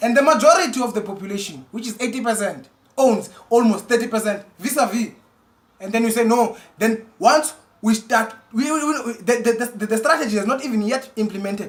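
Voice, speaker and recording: A man's extremely high-pitched voice at a fairly quick pace, with ordinary pitch variation. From South Africa. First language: Xhosa. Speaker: vlogger. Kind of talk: political rant. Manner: halting; impassioned.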